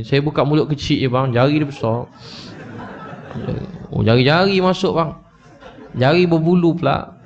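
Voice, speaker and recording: A middle-aged man with a Malaysian Malay accent, preaching in a mosque with animated storytelling and often calling out to the congregation. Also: mid-range voice, muffled recording. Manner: animated storytelling, addresses the crowd as bang and kakak. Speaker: ustaz preacher. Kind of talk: mosque religious talk. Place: small mosque prayer hall.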